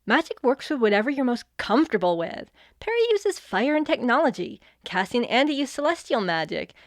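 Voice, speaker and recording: A woman's voice: a little high, sing-song, fairly quick, no room sound, studio quality. A woman playing a breezy, sardonic fairy in an audio comedy drama. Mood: confident, instructive. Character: cocky sarcastic female fairy wielding chaos magic. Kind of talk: audio fiction comedy acting.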